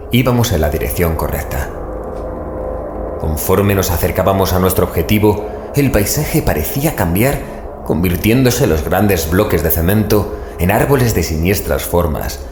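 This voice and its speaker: A musing investigator of mysteries in an audio drama. His voice is on the low side, with a Spain Spanish accent. It echoes over clearly audible background ambience. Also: noisy background. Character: Pablo, musing, bantering man investigating mysteries. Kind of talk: scripted audio drama narration and dialogue.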